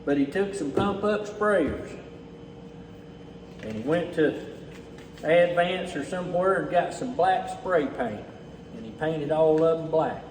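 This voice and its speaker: A man with a Southern US accent and a slightly high voice speaks in a plain, folksy manner. His delivery is casual and unscripted, as if explaining things to viewers. The recording is strongly echoey, with faint noise behind him. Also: animated, takes it slowly, long pauses, darkish tone. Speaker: relief effort organizer presenting donations. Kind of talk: casual unscripted talk to camera. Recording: echoey, distant mic, faint background noise.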